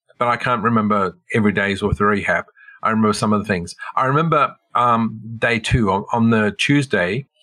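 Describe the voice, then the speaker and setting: The tone of this man's voice is bright and sharp. He speaks at a fairly quick pace. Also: medium pitch for a man, ordinary pitch variation. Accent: Australian. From Australia. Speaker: stroke survivor and musician. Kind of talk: interview. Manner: halting, with repeated words.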